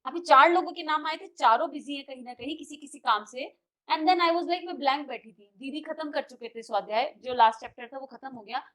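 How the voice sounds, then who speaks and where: A young woman leading a spiritual study group, telling stories in an animated way and mixing Hindi and English. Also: sits high, fairly quick. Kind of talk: casual group sharing.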